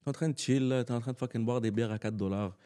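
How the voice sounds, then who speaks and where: Man, comedian guest, mellow voice, animated, slangy, mixes english. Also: medium pitch, quick pace. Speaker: comedian and actor, podcast guest. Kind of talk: casual storytelling in conversation.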